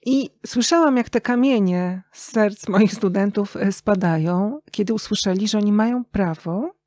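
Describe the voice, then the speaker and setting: A woman's voice: mid-range voice, normal speed, darkish tone, no echo, clean studio sound. A middle-aged woman speaking as an interview guest, telling anecdotes in a conversational way. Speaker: interview guest, radio journalist and writer.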